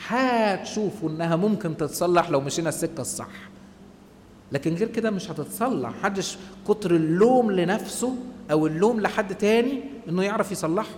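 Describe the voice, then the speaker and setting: A man with an Egyptian Arabic accent giving an animated church talk to a group, acting out the voices people use on themselves. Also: high-pitched, a little fast, long reverb tail, a little hiss or hum. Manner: animated, acts out inner voices. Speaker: church speaker.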